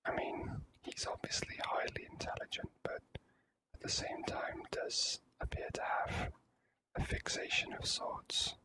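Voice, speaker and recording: Casting: ASMR gaming host, fully whispered, very slow delivery, hesitant and formally worded. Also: low-quality recording. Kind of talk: whispered ASMR game commentary.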